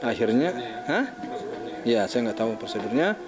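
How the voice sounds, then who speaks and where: Older man, halting and shaken. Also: medium pitch, sing-song, over music. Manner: halting, restarting, acting out phone calls. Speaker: interviewee, bereaved father. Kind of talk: recounting events in an interview.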